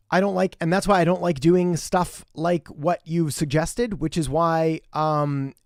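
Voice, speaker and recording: A man's voice: fairly high pitch, darkish tone, no room sound, clean studio sound. Upbeat man hosting a live Q&A. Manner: chatty, greets viewers by name; direct, gives blunt advice. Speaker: marketing host. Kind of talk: live-stream Q&A, casual chat. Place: home in western Canada.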